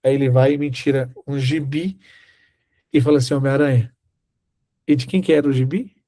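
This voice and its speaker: A man's voice: mid-range voice, fairly even intonation, fairly quick, dark tone. A man preaching a sermon, telling a personal story and acting out the dialogue. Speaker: Bible teacher.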